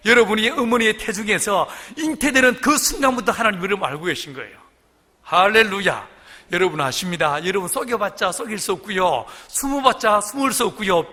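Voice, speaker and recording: A man's voice: high voice, sharp tone. A middle-aged man preaching a revival sermon as guest pastor, telling stories with voiced quotes and bursts of laughter. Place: church sanctuary. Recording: long hall reverb in church.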